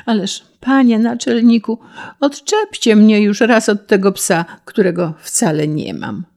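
A woman's voice: mid-range voice, unhurried, darkish tone, voice pushed up, lightly acted. A woman voicing a harried middle-aged man who pleads and protests, exasperated, against a dog tax in a storybook reading. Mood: pleading.

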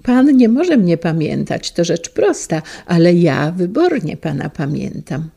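A woman voicing a warm, eager middle-aged man greeting his old teacher with heartfelt feeling. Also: fairly low pitch, big pitch swings, unhurried, creaky, breathy edge, exaggerated voice. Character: grown son, warm and eager, a former pupil.

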